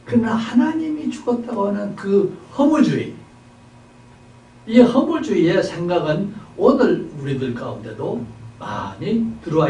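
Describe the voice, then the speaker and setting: A man delivers a sermon in a chapel service, asking rhetorical questions and moving between forceful and hushed lines. His voice sits a little high. He is picked up from some distance in a reverberant hall. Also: slight background noise. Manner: rhetorical questions, swings between loud and soft. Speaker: preacher. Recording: echoey hall, mic at a distance.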